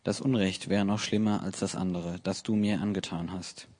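A man's voice: low-pitched, steady tone, normal speed, a little mellow. A man reading the lines of a young princess who pleads earnestly, close to his own plain voice. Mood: pleading. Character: young princess pleading with her brother, female.

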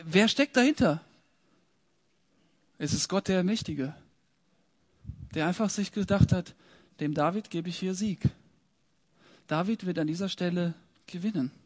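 Guy with a high voice doing a bible study, reads verses then explains them casually, keeps asking the crowd questions. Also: a little slow, pauses often, a little mellow. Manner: rhetorical questions to listeners. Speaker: preacher. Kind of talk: Bible teaching.

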